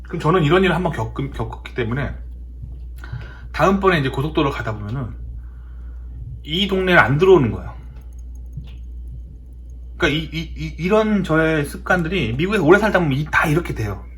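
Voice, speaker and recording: A man's voice: fairly high pitch, expressive, brisk, pauses often, fairly bright tone. A man from South Korea talking casually in a storytelling monologue, emphatic and often repeating his words for effect. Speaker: host of a talk show.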